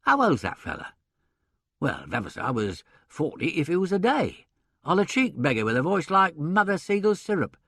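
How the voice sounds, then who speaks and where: A man's voice: on the high side, huge pitch swings, moderate pace, pushed and bright, breathy edge, no echo, voice pushed up, full character voice. A man voicing a blunt, talkative older theatrical agent who speaks in a colloquial, opinionated way. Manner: colloquial, drops grammar, chuckles, opinionated. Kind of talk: audiobook character reading.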